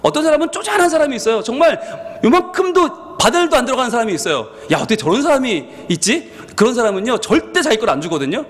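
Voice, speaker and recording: Animated preaching man in a church hall. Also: quick pace, few pauses. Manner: lively preaching with sudden swings in pitch and volume; acts out the congregation's thoughts in quoted asides. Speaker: senior pastor. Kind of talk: sermon. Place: church sanctuary.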